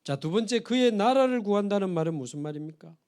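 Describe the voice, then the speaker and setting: A man's voice: high voice, animated, fast, darkish tone, clear, resonant tone. A middle-aged man, a pastor preaching a sermon in church, telling stories with acted quotes and building to emphatic appeals. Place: church sanctuary.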